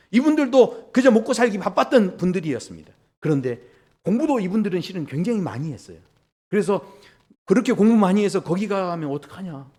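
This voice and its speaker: Lively high-voiced male pastor preaching. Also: breathy edge. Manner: lively, asks the congregation questions; swings from loud emphasis to hushed low lines. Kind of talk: sermon.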